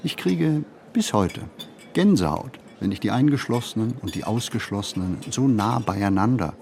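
Low-voiced, reflective ageing male writer. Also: expressive, moderate pace, vocal fry, darkish tone, a little hiss or hum. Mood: sombre, observant. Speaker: narrator of a literary radio play. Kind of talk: literary radio play monologue.

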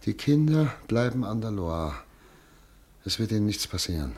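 Anguished exiled doctor, earnest. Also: male voice, on the low side, big pitch swings, normal speed, darkish tone. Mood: pleading resolve. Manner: earnest, pleading, insistent. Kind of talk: German radio drama acting.

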